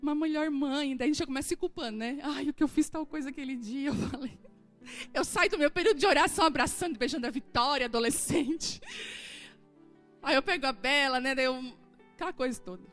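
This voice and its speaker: In a church hall with soft music in the background, a woman pastor in her forties from southern Brazil preaches a sermon, acting out dialogue as she tells her stories. Her voice is high-pitched and fairly quick, and her storytelling is animated.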